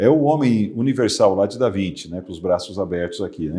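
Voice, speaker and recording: This man has a medium pitch and a dark, mellow tone, swinging very widely in pitch at a moderate pace. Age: 60s. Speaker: business school professor. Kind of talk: podcast interview discussion. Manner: conversational, explanatory.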